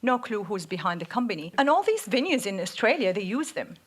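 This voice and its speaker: A woman with an Arabic accent, co-hosting a live podcast on stage, speaking in an energetic, outspoken way and laughing often. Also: medium pitch, brisk, husky. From Saudi Arabia. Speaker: podcast co-host. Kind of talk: live podcast panel talk.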